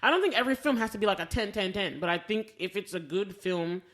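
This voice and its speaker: Female podcast co-host, medium pitch, casual and animated film chat with a storytelling bent. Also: fast talker. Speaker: podcast co-host reviewing films.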